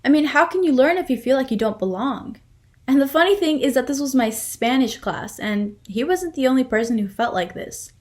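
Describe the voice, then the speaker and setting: Higher-pitched young woman delivering a personal monologue. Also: lively intonation, a little fast, darkish tone. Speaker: reader's theater performer. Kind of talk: scripted first-person monologue, reader's theater.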